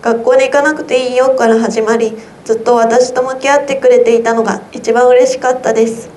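A teenage high school girl reading her own essay aloud in an earnest, measured way for a radio broadcast. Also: steady tone, a little mellow, a little hiss or hum. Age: teens. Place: radio studio.

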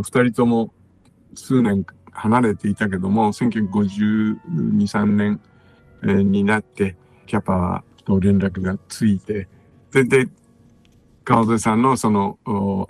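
A low-pitched man with a gravelly edge tells long anecdotes as a radio guest. He meanders through fillers and asides in an easy, conversational way. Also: darkish tone. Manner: rambling, many fillers and asides. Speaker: guest composer and music producer. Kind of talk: relaxed anecdotal storytelling.

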